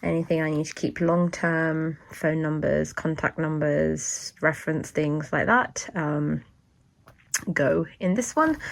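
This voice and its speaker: Very slowly and at a very even loudness, a woman talks in a British accent. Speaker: planner vlogger. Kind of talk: casual vlog tutorial. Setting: outdoors at kayaking centre.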